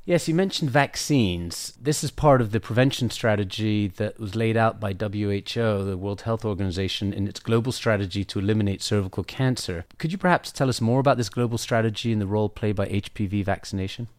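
A man's voice: on the low side, fairly quick, few pauses, dry recording, clean studio sound. A man hosting a podcast, reading a polished, formal introduction and asking interview questions. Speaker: podcast host.

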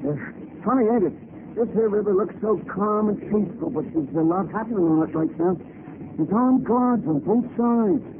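Actor as high-pitched nosy guy, crackly old radio. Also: normal speed, close to an everyday voice. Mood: chatty, suspicious. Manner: slangy, pushy, excitable. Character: nosy, excitable male New York working-class bystander. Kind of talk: 1940s radio drama acting. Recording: very noisy, tinny old radio recording.

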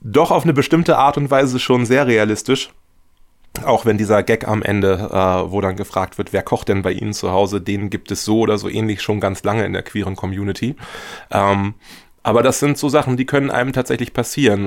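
A man's voice: lowish voice, steady tone, brisk. A man giving reflective interview answers as a guest, thoughtful and often searching for his words. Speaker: radio play writer, interview guest.

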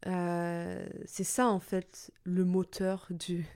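A young woman from Portugal, a native Italian speaker with an Italian-Portuguese accent, hosting a reflective personal podcast monologue, thoughtful and hesitant with many pauses and restarts. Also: fairly low pitch, little pitch movement, darkish tone, clean tone, no echo, clean studio sound. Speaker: podcast host.

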